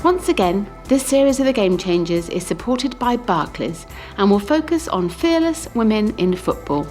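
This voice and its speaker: A woman's voice: mid-range voice, sing-song, moderate pace, a little mellow, soft background music. A woman hosting a podcast, reading a scripted introduction and interviewing her guest.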